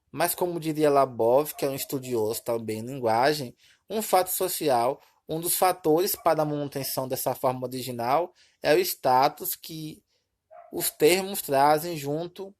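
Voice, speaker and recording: Low-voiced Brazilian teacher explaining patiently. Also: female voice, darkish tone. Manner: explanatory, repeats points with "tá bom?" checks. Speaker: Portuguese teacher. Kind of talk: recorded video lesson.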